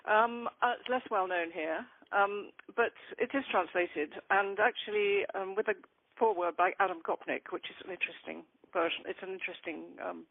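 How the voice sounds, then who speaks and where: An older woman author talking about her novel in an interview, thoughtful and rambling with many pauses and ums. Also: mid-range voice. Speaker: author guest. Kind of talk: conversational interview. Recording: tinny phone-like line.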